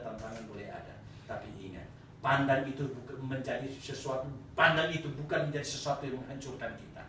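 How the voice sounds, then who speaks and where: A male pastor giving a sermon, animated and joking with the congregation, at times laughing loudly. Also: medium pitch. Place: church chapel. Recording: echoey church hall, mic at a distance, noisy.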